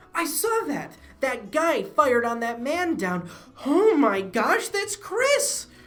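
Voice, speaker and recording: A man's put-on character voice, extremely high, with very wide pitch swings and a fairly slow pace. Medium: read story.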